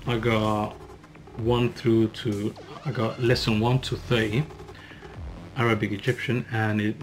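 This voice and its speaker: A young man in his twenties recording a self-study language vlog in a small room, halting and correcting himself as he drills phrases. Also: fairly low pitch, rough recording. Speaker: language learner vlogger. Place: small room with curtain backdrop.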